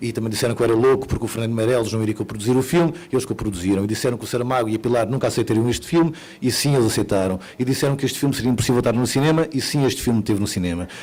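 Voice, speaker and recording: A man's medium-pitched voice at a very fast pace, with hardly any pauses and ordinary pitch variation. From Portugal. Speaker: documentary film director. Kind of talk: book presentation talk.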